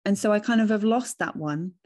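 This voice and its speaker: A woman in her thirties hosting a relaxed, thoughtful chat over a video call, speaking into a studio microphone with headphones on at home. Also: medium pitch, a little fast. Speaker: host. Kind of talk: casual conversation. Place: home room with bookshelves, indoors. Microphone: studio mic with headphones on a video call.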